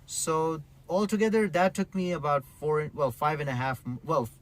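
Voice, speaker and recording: A Pakistani man in his 40s, raised in Karachi and later living in the UK, explains things conversationally, like a taxi driver being interviewed. His voice is fairly high and steady at normal speed, and the audio is poor.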